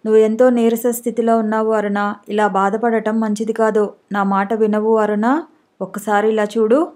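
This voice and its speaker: A woman voicing a gentle, devoted husband who soothes and reassures his sick wife, in an audiobook. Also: medium pitch, level tone, moderate pace, lightly acted. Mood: soothing.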